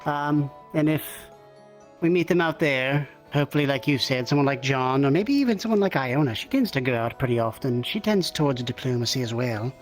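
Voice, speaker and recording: A man's voice: mid-range voice, brisk, soft background music. A man improvising in-character fantasy roleplay conversation, speaking politely and thoughtfully with some hesitation. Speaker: roleplay player. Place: online virtual reality session.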